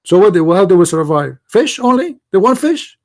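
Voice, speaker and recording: A man's voice: high-pitched, very animated, moderate pace. A man with an Arabic accent, a native Arabic speaker, hosting a heated religious debate in a confrontational, insistent way, repeating his phrases and questions. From Middle East.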